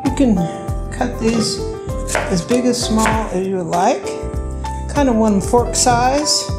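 A woman's voice: on the high side, slow, loud music behind the voice. A woman casually narrating her home cooking in a chatty, unscripted way, thinking aloud as she goes. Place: home kitchen, indoors.

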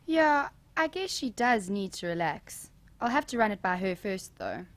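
A woman's voice: medium pitch, big pitch swings, moderate pace, fairly bright tone, no echo. A woman playing a troubled, hesitant young boy in an audio drama, with guitar music behind. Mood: polite, subdued.

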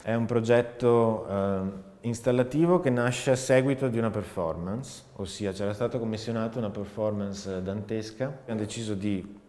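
A man in his thirties explaining his artistic work in an interview, thoughtful and halting as he searches for words. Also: fairly low pitch, a little mellow. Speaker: theatre and sound artist. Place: seated in a dark studio, indoors. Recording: echoey room with reverb.

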